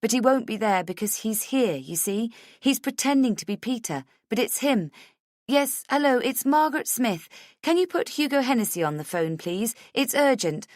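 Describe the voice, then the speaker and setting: A woman's voice: medium pitch, animated, measured pace, dry recording, clean studio sound, voice pushed up, natural voice. A woman voicing a frantic, desperate woman in a dramatic audiobook, speaking urgently and insistently as if pleading to be believed. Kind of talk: dramatic audiobook character dialogue.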